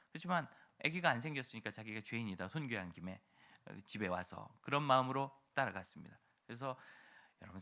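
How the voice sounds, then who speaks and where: A man's voice: mid-range voice, vocal fry. A male pastor preaching a sermon in a church, telling a story and acting out the voices of the people in it. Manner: animated storytelling, acts out quoted voices.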